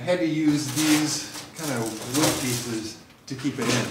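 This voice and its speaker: Loud noise fills the background. A man talks over it. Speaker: presenter. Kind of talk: tutorial. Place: garage.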